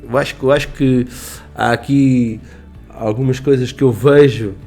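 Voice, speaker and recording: A man's voice: medium pitch, steady tone, normal speed, gravelly, mellow, soft background music. A middle-aged man from Portugal, a business owner telling stories in a rambling, emphatic way on a radio interview. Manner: rambling, emphatic, with restarts and quoted dialogue. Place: radio studio.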